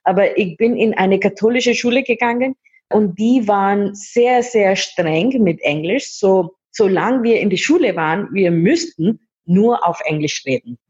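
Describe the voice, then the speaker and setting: A woman's voice: medium pitch, animated, a little slow, darkish tone, husky, highs cut off. A woman from India, Hindi native, telling her life story in an interview, often restarting and repeating words. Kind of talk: casual interview talk.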